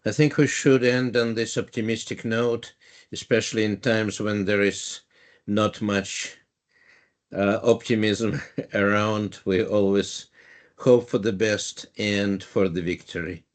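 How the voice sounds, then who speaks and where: Low-voiced guy hosting a podcast over a call, polite, measured. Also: fairly even intonation. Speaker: podcast host. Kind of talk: formal program closing. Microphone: video call.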